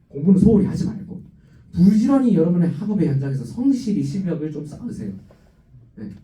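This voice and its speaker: A man with a Gyeongsang accent preaching an animated, exhorting youth revival sermon in a church sanctuary. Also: fairly high pitch. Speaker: guest preacher. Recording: roomy, dull, distant church recording.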